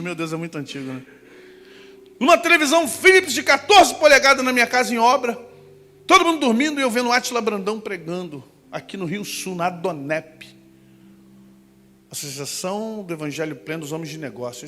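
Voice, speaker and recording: A high, bright-voiced male pastor with a Brazilian Portuguese accent, preaching emphatically and swinging from hushed asides to full shouts. His voice rings with a long hall reverb. Faint music plays under him in the church. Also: lively intonation, fast. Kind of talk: Pentecostal sermon.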